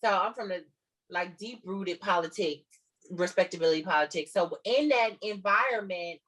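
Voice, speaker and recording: A woman's voice: fairly low pitch, normal speed, a bit bright, poor audio. A woman from Texas with a Southern Black American accent, telling a story casually and emphatically, repeating herself for effect. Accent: Southern African American English.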